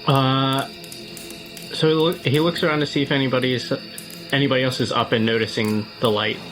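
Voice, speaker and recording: A man playing a tabletop roleplaying game, improvising casually in a hesitant, halting way. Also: mid-range voice, fairly even intonation, poor audio. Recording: music behind the voice.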